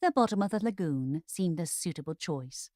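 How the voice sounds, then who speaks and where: A woman's voice: lowish voice, animated, moderate pace, a little mellow, dry recording, studio quality, lightly acted. A woman voicing a dryly witty, poised young lady with mock-formal period-drama drollery in an audiobook. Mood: wry amusement. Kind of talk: Regency romance audiobook character acting.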